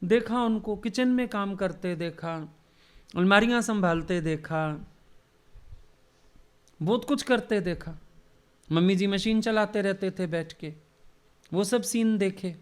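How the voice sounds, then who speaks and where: Man telling devotional stories, fairly high voice. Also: takes it slowly, pauses often, clear, resonant tone. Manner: reminiscing, acts out quoted dialogue. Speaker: spiritual teacher leading a satsang. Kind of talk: devotional storytelling sermon.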